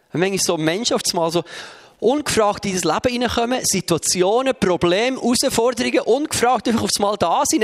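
A man preaching a sermon, telling Bible stories in a lively way and acting out their voices. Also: high-pitched. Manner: lively storytelling that acts out the voices of Bible figures.

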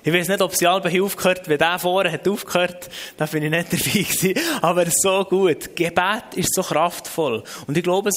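A man's voice: a little high, a bit bright. A man with a Swiss German accent preaching and praying in an informal, earnest, exhorting way with repeated phrases. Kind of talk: sermon with spoken prayer. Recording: long hall reverb.

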